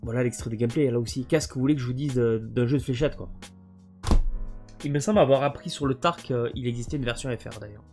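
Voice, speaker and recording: A man's voice: mid-range voice, quick pace, over music. A man casually presenting his video game collection, hesitant and full of fillers. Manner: hesitant, many fillers and restarts.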